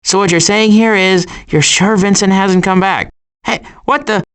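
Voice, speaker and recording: A man voicing a sardonic, glib animal adventurer in an animated video game, with dry sarcasm and deadpan asides. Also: high-pitched, moderate pace, clear, resonant tone. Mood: urgent.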